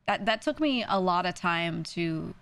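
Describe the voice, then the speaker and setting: A woman's voice: lowish voice, lively intonation, a little slow, creaky, fairly bright tone, clear, resonant tone. A young woman with a New York accent, chatting casually on a stream, rambling and self-deprecating with frequent laughs. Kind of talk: casual stream chat answering viewers.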